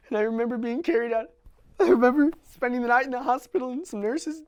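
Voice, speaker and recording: A man's voice: very high voice, smooth. A young male actor playing a young man who recounts a traumatic childhood in a dramatic stage monologue, raw and confessional. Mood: quiet recollection. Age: young adult. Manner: raw and confessional, swinging between hushed recollection and sobbing screams.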